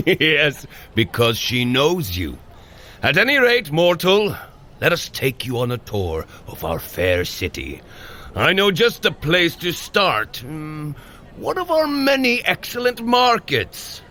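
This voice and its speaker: Jovial thunder god, forceful bright voice, lively intonation, old-fashioned grand phrasing, audio drama. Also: male voice, on the high side, slow, exaggerated voice. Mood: cheerful. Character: hearty, good-natured, food-loving thunder god, male. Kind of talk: scripted audio drama dialogue.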